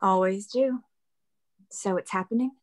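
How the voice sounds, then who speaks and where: A woman acts out a tomboyish young woman from a mining town. Her voice is medium in pitch. She is wry, dry and casual in a script read. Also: measured pace, natural voice. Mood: wry, friendly. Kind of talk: dramatic script table read.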